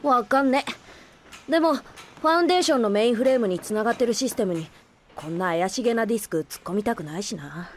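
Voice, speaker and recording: Brash, high-pitched boyish young boss played by a woman. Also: fast talker, slight background noise, lightly acted. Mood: brisk, frank. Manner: rough masculine casual speech. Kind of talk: anime-style audio drama acting.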